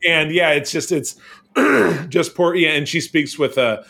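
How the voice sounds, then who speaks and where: A man co-hosting a casual show, chatting about TV episodes in an animated, talkative way. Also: on the high side. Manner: animated, chatty, mimics characters in quick asides. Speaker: podcast co-host. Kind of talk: casual chat reviewing TV episodes.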